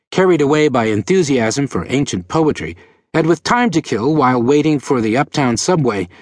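A male audiobook narrator at a mid pitch reads a first-person memoir with a lively, rising-and-falling melody. His telling is measured and expressive. He is recorded close in a dead, dry booth with no room sound. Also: no room sound.

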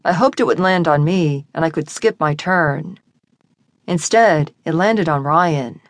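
Low-voiced woman reading an audiobook. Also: measured pace, dry recording. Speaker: audiobook narrator. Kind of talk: first-person audiobook narration.

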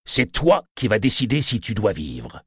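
A male narrator voicing a menacing, rough escaped convict who speaks slowly and threateningly. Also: huge pitch swings, dry recording, clean studio sound, exaggerated voice. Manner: slow, threatening, low delivery.

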